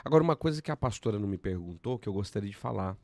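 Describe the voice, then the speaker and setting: A Brazilian man, a pastor, teaching in conversation, switching between emphatic bursts and calm explanation. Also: fairly low pitch, racing, no room sound. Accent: Brazilian Portuguese.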